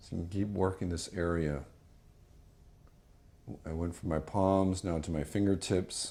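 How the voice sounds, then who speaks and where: Moderate pace, dark, mellow tone, calm tone, monotone, flat intonation and long, frequent pauses. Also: man, very deep, low pitch for a man. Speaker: actor and massage instructor. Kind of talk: instructional massage demonstration. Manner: calm, soft-spoken.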